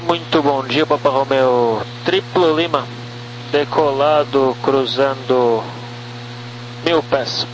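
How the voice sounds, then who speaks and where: A man's voice: mid-range voice, fairly even intonation, slow pace. A Brazilian man, a pilot, giving short readbacks and position reports over aviation radio. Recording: faintly noisy cockpit radio transmission.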